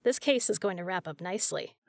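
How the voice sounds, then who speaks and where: A woman's voice: fairly low pitch, lively intonation, fast, creaky, no room sound. A woman playing a tough, capable spy in an audio drama, flirty yet caring. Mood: brisk, businesslike. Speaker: voice actor in a fan audio drama. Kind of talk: audio drama acting, intimate.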